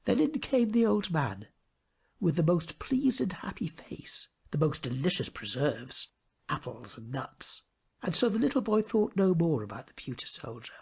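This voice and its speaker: A man narrating a fairy tale from a script in an expressive, theatrical manner, often hushing his phrase endings. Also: a little high, normal speed, gravelly, slightly rough. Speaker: storybook narrator.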